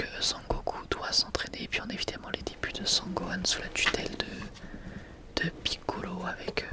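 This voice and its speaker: An ASMR creator speaking casually in a breathy whisper, rambling and correcting themselves like a fan sharing a collection. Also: mid-range voice. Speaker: ASMR video creator presenting a manga collection.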